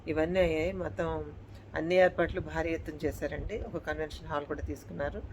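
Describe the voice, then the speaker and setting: A woman's voice: low voice, steady tone, fast, a little hiss or hum, poor audio. A woman and channel host telling a true horror story in casual speech, repeating her phrases and addressing listeners politely.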